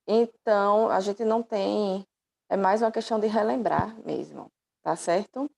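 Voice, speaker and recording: A woman's voice: mid-range voice, a little slow, vocal fry, darkish tone. A woman teaching an online class through her laptop microphone, patiently explaining step by step and affectionately calling her students dear.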